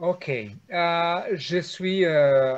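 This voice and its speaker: A man talks with a Portuguese accent. His intonation stays fairly even. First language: Portuguese (speaking French). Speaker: retired mining engineer, pilgrim hiker. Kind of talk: interview. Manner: halting, many hesitations.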